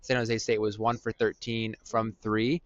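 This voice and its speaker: A man co-hosting a podcast, giving measured, analytical sports talk with frequent "um" pauses. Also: on the low side, flat delivery. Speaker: podcast co-host. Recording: dull, dry lo-fi audio.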